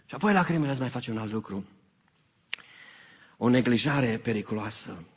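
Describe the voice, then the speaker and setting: Animated preaching man in a reverberant hall. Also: on the low side, breathy edge. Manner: animated preaching, mixing in English phrases. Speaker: pastor. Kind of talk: sermon. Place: church hall. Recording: hall reverb, dull lo-fi sound.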